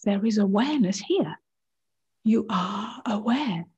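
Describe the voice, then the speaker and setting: Female meditation guide: very breathy, mellow, hushed and calming, on a slightly dull recording. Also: mid-range voice. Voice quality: soft, breathy, often near a whisper. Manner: unhurried short phrases, hushed, calming. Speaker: meditation teacher. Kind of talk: guided meditation, slow and gentle with long pauses.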